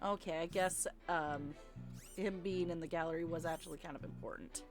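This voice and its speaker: A woman's voice: low voice, moderate pace. Woman reading game lines over music. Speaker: let's play host. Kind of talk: reading game dialogue aloud and casual chat. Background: video game music.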